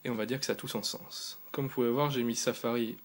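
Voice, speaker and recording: A man's voice: mid-range voice, steady tone, fast, slight background noise. A man giving a loose, rambling product review, talking casually with fillers and restarts. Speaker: tech reviewer.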